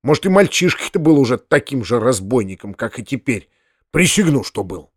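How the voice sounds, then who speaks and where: A man's voice: mid-range voice, big pitch swings, brisk, breathy edge, no echo, studio quality. A man voicing an indignant, grumpy landowner who mutters under his breath, in an audiobook. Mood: grumbling, indignant.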